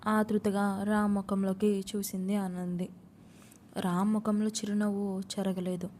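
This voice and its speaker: A woman's voice: mid-range voice, level tone, measured pace, mellow, a little hiss or hum. A woman narrating an audiobook love story, reading every character's lines in her own voice with light acting.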